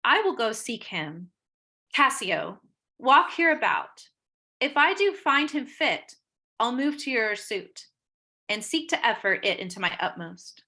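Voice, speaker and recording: A gentle, loyal young wife in a Shakespeare play, read by a woman, troubled but earnest. Her voice is very bright and fairly high, carrying the verse with expression. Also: big pitch swings, measured pace, full character voice. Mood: resolved.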